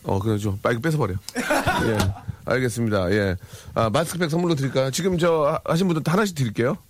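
A man's voice: medium pitch, a little hiss or hum. A man hosting a live broadcast, joking and teasing guests in a bantering way. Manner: teasing, joking, fast and animated. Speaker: live show host.

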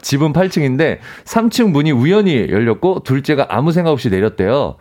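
A man's voice: mid-range voice, very animated, brisk, a little mellow, slight background noise. A man hosting a casual radio chat, reading listener stories aloud and playfully teasing his co-host.

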